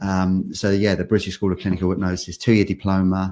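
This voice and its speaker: In a very clean recording with a silent background, a man with a dark, mellow tone speaks at a moderate pace. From London, England. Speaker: hypnotherapist. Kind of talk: interview. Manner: conversational with fillers.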